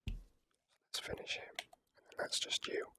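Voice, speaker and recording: This is a gaming creator doing ASMR commentary in a soft whisper. The whisper has a bright, crisp edge and never turns into full voice. The delivery is casual and unhurried, with the odd mild swear.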